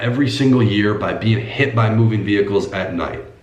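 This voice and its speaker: A man talks at a medium pitch with fairly even intonation. Noticeable background noise and audible room echo are present. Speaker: e-commerce YouTuber. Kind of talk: tutorial; casual vlog outro. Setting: apartment at night, traveling in Prague. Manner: quiet, keeping voice down; fast, conversational.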